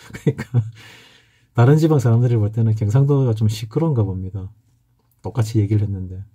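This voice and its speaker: A middle-aged saju fortune-telling instructor from South Korea's Gyeongsang region gives a casual lecture in a strong Gyeongsang Korean accent, rambling through anecdotes with frequent hesitations, pauses and restarts. His fairly low voice is dark and mellow with a husky edge.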